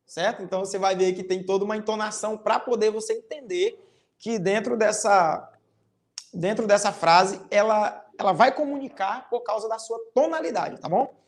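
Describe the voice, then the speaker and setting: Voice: medium pitch, moderate pace. Teacher, Brazilian Portuguese accent, recorded online class for children, step-by-step explanations, frequent tag questions, example lines read with exaggerated intonation.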